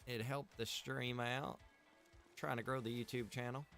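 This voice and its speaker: A man with a slightly high-pitched voice hosts a gaming livestream, thinking aloud in a casual, chatty way. He speaks into a close microphone, with faint music behind him. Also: fairly even intonation, a little slow, a bit bright. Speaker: livestream host, gamer.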